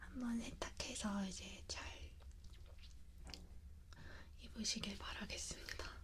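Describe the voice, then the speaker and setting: A soft-spoken woman whispers at a very slow pace amid noticeable background noise. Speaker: ASMR creator. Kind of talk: soft-spoken ASMR chat. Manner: soft ASMR whisper into binaural mic. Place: home room. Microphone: studio mic.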